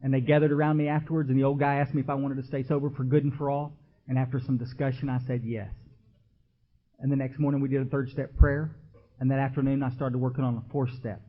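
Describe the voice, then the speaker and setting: A man's voice: medium pitch, little pitch movement, fast talker. A man, giving an emotional recovery talk from a podium and speaking straight to the crowd in a folksy way. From Texas. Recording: dull lo-fi archival tape.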